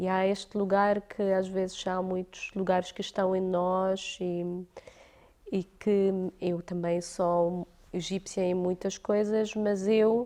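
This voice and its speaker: A woman speaks very slowly at a medium pitch, her dark, mellow tone held in a flat monotone. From Palestinian, born in Egypt. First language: Arabic (speaking Portuguese). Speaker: poet. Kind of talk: public conversation.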